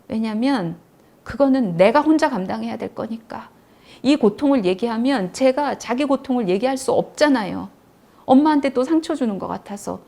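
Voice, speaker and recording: A woman hosting a counseling talk, explaining in a firm, measured way and dropping to a near whisper at times. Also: on the high side, darkish tone. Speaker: counselor and channel host. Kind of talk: advice talk on parenting.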